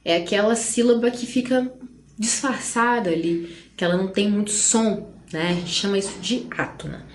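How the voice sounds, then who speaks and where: A Brazilian woman teaches grammar in a relaxed, chatty way, checking in with her students through constant little asides. She slows down to stress syllables. Her voice sits at a medium pitch, and the recording has a roomy echo. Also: slight background noise. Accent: Brazilian Portuguese. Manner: chatty, frequent "né?" and "gente" asides. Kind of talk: online grammar lesson.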